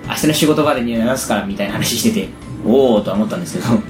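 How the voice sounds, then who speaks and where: A man with a hoarse, raspy voice worn out from shouting, chatting casually and at length as a show host. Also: lowish voice, rapid-fire. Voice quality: hoarse, gravelly rasp from overused voice. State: hoarse after a day of shouting karaoke. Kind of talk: casual chat. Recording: echoey room with music behind. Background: background music.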